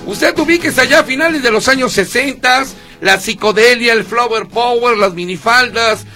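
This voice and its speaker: High, bright Mexican radio host. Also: male voice, moderate pace, soft background music. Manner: joking, chatty presenter. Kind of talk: casual radio banter.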